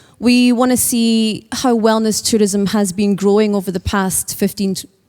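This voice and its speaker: Speaking in a Scottish accent, a woman uses an animated tone at medium pitch. The recording is very clean, with a silent background. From Scotland. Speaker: wellness company CEO and conference speaker. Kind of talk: conference presentation.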